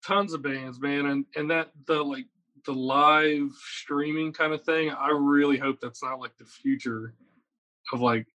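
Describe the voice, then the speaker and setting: A man in his thirties from Virginia, talking as a guest in a casual interview, rambling and energetic with lots of fillers. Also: on the high side, measured pace, low-quality recording. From Virginia, USA. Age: 30s. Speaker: guest, metal guitarist.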